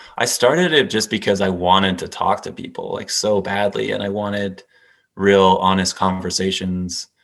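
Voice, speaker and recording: A man with an ordinary speaking voice speaks at a moderate pace, his fairly low pitch held in fairly even intonation. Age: 30s. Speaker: podcast host. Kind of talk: casual interview. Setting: video call.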